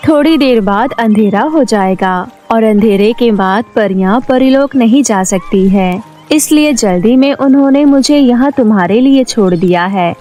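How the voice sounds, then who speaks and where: A gentle enchanted garment that grants wishes, voiced by a woman. It speaks in a high, generous storybook voice. Music plays behind it. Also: lively intonation, unhurried, hardly any pauses. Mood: kindly, reassuring. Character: gentle magical talking skirt, generous wish-granter.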